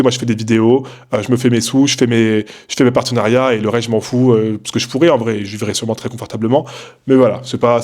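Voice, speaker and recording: A man's voice: mid-range voice, a little mellow. A young man in a casual late-night vlog, rambling in a slangy way with many fillers and restarts, talking from home. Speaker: content creator.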